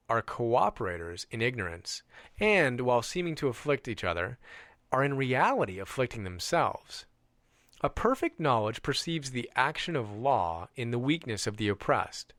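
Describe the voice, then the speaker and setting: A man reading a self-help audiobook in a measured, deliberate way, stressing contrasts. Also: mid-range voice, a bit bright, no room sound, clean studio sound. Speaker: audiobook reader.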